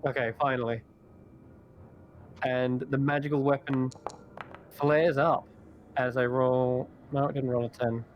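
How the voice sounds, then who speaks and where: A man narrating a tabletop game as game master, descriptive and unhurried. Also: medium pitch, slight background noise.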